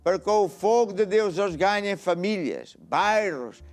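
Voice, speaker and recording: A man's voice: high-pitched, expressive, moderate pace, faint music behind. A middle-aged man with a European Portuguese accent, preaching a sermon and exhorting his listeners, then praying over them. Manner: exhorting, asks "está a ver?" often. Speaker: apostle preaching. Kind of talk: sermon with closing prayer.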